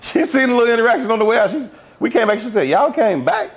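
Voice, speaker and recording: A man co-hosting a podcast, telling a profane, animated story from his youth with voiced quotes in casual chat. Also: extremely high pitch, very fast, dull audio. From Chicago South Side. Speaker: podcast co-host.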